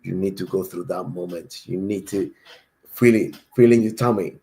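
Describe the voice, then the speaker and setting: A man's voice: sits low, steady tone, normal speed, dark tone. A man from Cuba with a Cuban Spanish accent, a native Spanish speaker, chatting emphatically and repeating words as he speaks. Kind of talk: casual chat.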